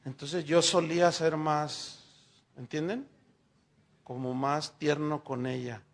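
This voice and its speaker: A middle-aged man, preaching a sermon and telling lively stories while speaking directly to the congregation. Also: fairly high pitch, takes it slowly, creaky. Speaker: pastor.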